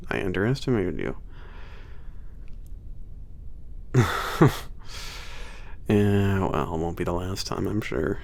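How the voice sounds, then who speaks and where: A cocky, easygoing werewolf mechanic played by a man in an audio roleplay, showing a trainee around. His low voice moves freely up and down as he teases and swears. He takes his time, halting casually between phrases. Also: expressive, creaky, full character voice. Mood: easygoing, explaining. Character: young laid-back, cocky werewolf maintenance trainer at spaceport. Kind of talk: ASMR roleplay, casual one-sided conversation.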